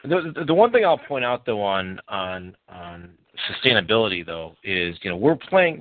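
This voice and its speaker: A man's voice: lowish voice, no echo. A man hosting a casual sports podcast who leans on numbers and leads the questions. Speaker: podcast host. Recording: tinny phone-like, dry sound.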